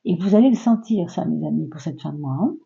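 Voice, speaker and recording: A woman's voice: on the low side, animated, fast, gravelly, mellow, muffled recording. A woman giving a casual, reassuring tarot reading to her viewers, talking loosely with many fillers. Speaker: tarot reader.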